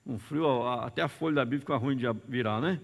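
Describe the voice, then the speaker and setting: A man's voice: medium pitch, quick pace, vocal fry. A man preaching a sermon in Brazilian Portuguese, emphatic and repetitive, calling on the congregation for amens. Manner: emphatic, repeats key words, calls out for amens. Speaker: pastor. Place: church sanctuary. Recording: reverberant church hall.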